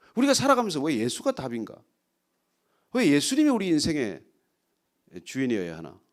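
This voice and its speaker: Room echo is audible as a man talks at a fairly quick pace. His loudness swings widely, and he takes long, frequent pauses. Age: 60s. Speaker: pastor. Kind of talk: sermon.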